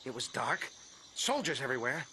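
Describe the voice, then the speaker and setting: A man's voice: medium pitch, big pitch swings, fairly quick, lightly acted. A man voicing a crass, cowardly cartoon duck with a manic, blustering delivery. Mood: shaken. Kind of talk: animated comedy acting. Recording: clear background noise.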